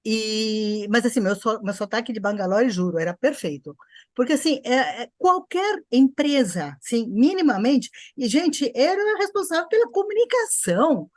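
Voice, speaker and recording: A woman's voice: a little high, very animated, normal speed, dry recording, clean studio sound. A woman panelist in casual talk, speaking emphatically with ironic asides. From Brazil.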